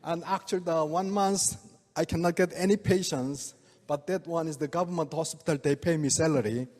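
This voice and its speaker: An older man with a Korean accent, speaking halting non-native English to an audience and chuckling often. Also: on the high side, a little mellow. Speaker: speaker, oriental medical doctor. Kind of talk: presentation to a live audience. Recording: reverberant hall.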